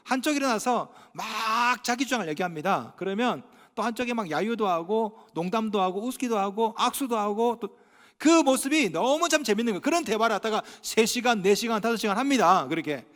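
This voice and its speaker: A man's voice: high-pitched, a little fast. A male pastor from Gyeongsang Province preaching a sermon, telling humorous stories and acting out bits of dialogue. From Gyeongsang Province, Korea. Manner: animated, humorous storytelling with acted-out dialogue. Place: church sanctuary. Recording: long church reverb.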